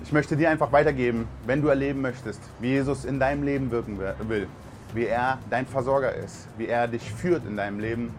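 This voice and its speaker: A man's voice: medium pitch, steady tone, a little fast. A man from Berlin, a truck driver on a mission team, gives an earnest, heartfelt personal testimony with many fillers. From Berlin, Germany. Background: music.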